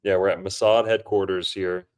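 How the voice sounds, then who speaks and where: A man's voice: sits low, flat delivery, normal speed. A young man hosting a podcast, joking and mocking as he comments over a film on a video call. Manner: joking, mocking, slips into put-on impressions. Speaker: podcast host.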